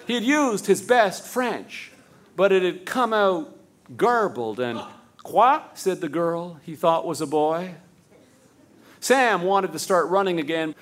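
A man narrating a live story in a light, fairly high voice. He strings long sentences together and drops to a slow hush for the tender parts. It sounds like a storyteller holding a room. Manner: slows to a hush for tender moments, building run-on sentences. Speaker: storyteller and host.

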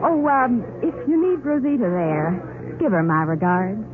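A spirited detective's secretary-assistant in a 1940s radio drama. She is pert and irreverent, with an animated melody to her voice. The recording is tinny and hissy. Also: a little high, a little slow. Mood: pert, teasing.

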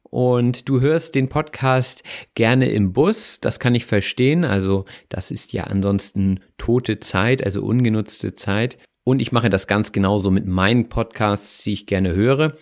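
A man's voice: fairly low pitch, unhurried. A man from northern Germany hosting a language-learning podcast, commenting on listener messages in a friendly, reflective way with frequent fillers. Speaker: podcast host.

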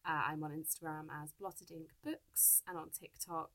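A woman's voice: low-pitched, steady tone, moderate pace, a bit bright. A woman hosting a podcast interview, her voice stuffy from a cold, gushing and enthusiastic, laughing often. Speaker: podcast host. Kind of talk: casual interview chat.

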